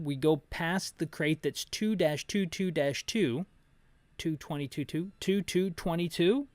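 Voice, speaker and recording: A man with a slightly high voice hosts a video game playthrough, rambling as he narrates the action with casual, jokey, opinionated commentary. The recording is dry, made on a close mic that gets bumped now and then.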